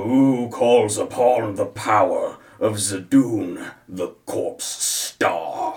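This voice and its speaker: A man uses a put-on character voice at medium pitch. He goes at a very slow pace with hardly any pauses. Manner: ominous.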